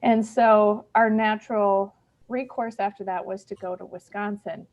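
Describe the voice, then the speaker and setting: A woman's voice: mid-range voice, fairly even intonation, unhurried. A young woman spins a wry, self-amused anecdote in an ordinary mid-range voice. The stage audio is a little muffled and dull, and she chuckles as she goes. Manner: wry, laughing storyteller. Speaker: improv monologist. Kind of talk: comic storytelling monologue. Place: theater stage.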